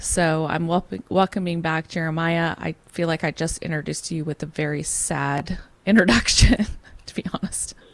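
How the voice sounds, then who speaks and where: Doing a put-on character voice, a woman speaks at a moderate pace in a raspy, fairly low pitch. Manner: sad.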